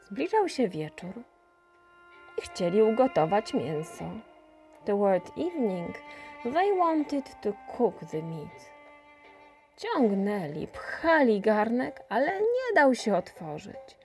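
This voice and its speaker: A woman reading a folk tale aloud in two languages, slow, expressive and gentle. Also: a little high. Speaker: storyteller. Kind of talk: bilingual storybook reading, each line repeated in translation. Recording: faint music under the voice.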